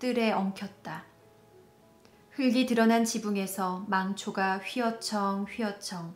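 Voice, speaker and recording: The speech moves at a very slow pace with fairly even intonation. Music plays in the background. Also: woman. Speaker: announcer. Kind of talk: audiobook reading of a literary short story. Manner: expressive.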